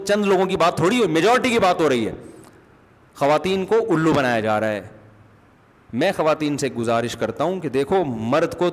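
Man preaching, rising emphatic bursts. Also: on the high side. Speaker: religious scholar. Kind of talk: sermon. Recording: long hall reverb.

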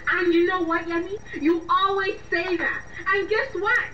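A woman's voice: very high-pitched, steady tone, measured pace. An actress playing a weary, exasperated young woman in a radio drama, with an emotional, reproachful delivery. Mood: bitter, angry. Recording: dull, noisy, echoey, distant mic.

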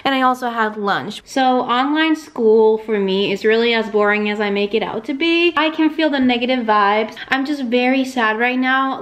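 A woman's voice: on the high side, fairly bright tone. A teenage woman chatting candidly in a casual vlog, often saying "like". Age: late teens. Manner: chatty, frequent "like", candid about her feelings. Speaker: vlogger, high school senior.

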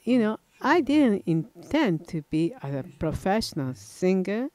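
An older man with a Japanese accent delivers a sermon in English from a wooden lectern in church. He speaks at an unhurried pace. He often stops partway through a phrase and corrects himself. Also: high-pitched, big pitch swings, darkish tone. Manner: halting, frequent self-corrections and restarts. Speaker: pastor.

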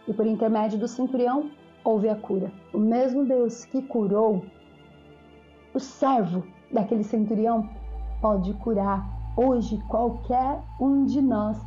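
Slow, deliberate woman preaching. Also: a little high, mellow. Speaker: Christian preacher. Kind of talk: recorded testimony. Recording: slightly dull audio with faint music.

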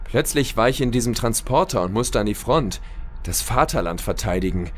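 An earnest, bewildered male soldier, played by a man in an audio drama. His voice is mid-pitched and puzzled, over faint music. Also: animated, moderate pace, lightly acted. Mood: puzzled, reflective. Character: bewildered male soldier questioning what is real. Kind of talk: German audio drama acting.

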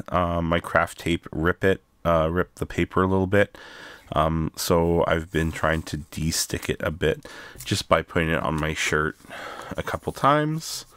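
A Canadian man hosting a casual crafting tutorial, chatty with many ums, his voice still rough from being sick. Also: sits low, fairly bright tone, dry recording. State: recovering from illness, voice still rough. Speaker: craft video host.

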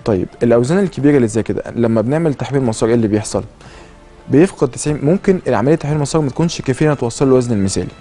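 A man's voice: medium pitch, animated, rapid-fire, dark tone, faint music behind. A man in his thirties with an Egyptian Arabic accent, explaining as an expert guest and dropping in English terms. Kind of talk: explanatory interview talk. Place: TV studio, seated. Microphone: lapel mic.

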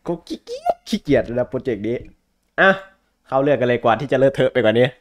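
A male podcast host. His voice sits at a medium pitch. He chats casually and bluntly, throwing in slang and jokes. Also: expressive, fast talker. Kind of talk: casual chat about comic books.

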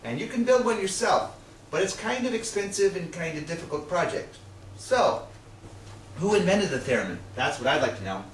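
A man's voice: sits high, big pitch swings, normal speed. Middle aged guy doing a playful showy science demo, mic kinda far off, some background noise. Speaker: science presenter. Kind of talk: presentation to camera, demonstrating. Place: small indoor room with projector screen. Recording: roomy, distant camera mic, noisy.

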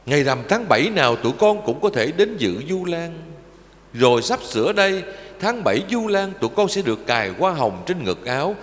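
An older man, a Buddhist monk, giving a fervent sermon that shifts into slow, sing-song recited verse and speaks to listeners as his children. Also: a little high, very animated. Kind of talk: emotional Dharma talk with recited verse. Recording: long reverb of a large hall.

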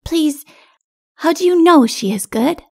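Woman doing an earnest, high-pitched little child. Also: animated, a little slow. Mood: innocent, earnest. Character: small innocent child elephant rider, anxious and trusting.

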